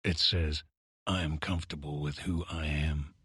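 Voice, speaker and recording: A man's voice: very deep voice, steady tone, normal speed, a bit bright, husky, no echo, clean studio sound. A man working as a voice-over artist, reading scripted commercial and documentary narration.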